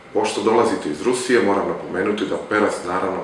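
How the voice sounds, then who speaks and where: A man talking at a fairly quick pace, fairly even intonation, audible room echo and noticeable background noise. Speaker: marina director. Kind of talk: interview.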